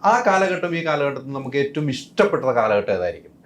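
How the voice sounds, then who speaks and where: A man's voice: medium pitch, sing-song, fast talker, noisy background. A man with a Kerala Malayalam accent, interviewing in casual chat sprinkled with English words, emphatic and repetitive.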